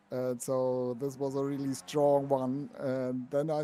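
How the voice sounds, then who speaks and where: The man's voice has a dark, mellow tone and a non-native accent. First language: not English. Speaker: sim racing driver. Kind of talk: post-race interview. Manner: halting.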